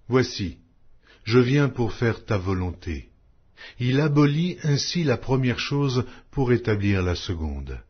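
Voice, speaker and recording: A man narrating scripture as a solemn, scripted audiobook reading with measured, declamatory phrasing. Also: mid-range voice, husky. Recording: dull lo-fi audio.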